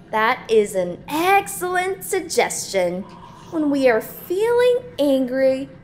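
A woman's voice: sits high, a little hiss or hum, full character voice. A woman playing a falsely cheery, cruel class instructor in an audio drama, gushing theatrically in a saccharine manner.

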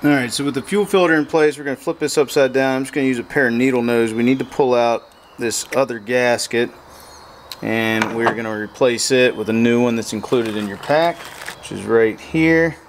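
A man with a mid-range voice talks at normal speed, a little hiss or hum in the recording. As a motorcycle repair how-to host, he guides viewers practically through each step of a repair, hands busy at a truck bed workbench outdoors.

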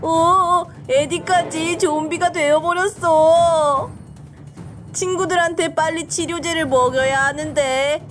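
A woman's voice: very high-pitched, fairly even intonation, takes it slowly, soft background music. A woman narrating a children's story as a storyteller for a toy play show.

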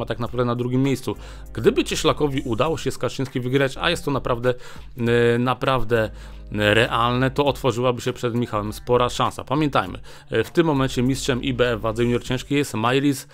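A man in his thirties runs through the boxing news in a relaxed, chatty way. He often stops with a drawn-out filler sound while he hunts for the next word. He talks close to a desk mic in a small indoor studio. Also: mid-range voice. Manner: chatty, many filler "e" pauses. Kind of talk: casual news commentary. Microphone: desk mic on a small stand.

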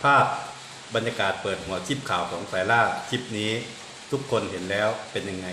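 A man hosting a news vlog, narrating energetically with drawn-out emphasis. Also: low-pitched, sharp tone, echoey room, slight background noise. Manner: upbeat announcer delivery with drawn-out emphasis.

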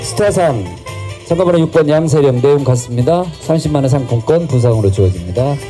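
A man's voice: medium pitch, lively intonation, a little fast, mellow. A man hosting an awards ceremony on an outdoor stage, formally proclaiming names and prizes over the PA. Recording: PA at outdoor event, music behind. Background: guitar and instrumental music.

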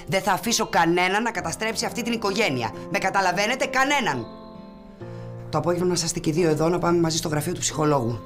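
A protective, strict stepmother in a TV comedy-drama. Her lowish voice swings widely with forceful emphasis, and music plays clearly behind it. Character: fiercely protective, strict female teacher and stepmother. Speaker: teacher, stepmother.

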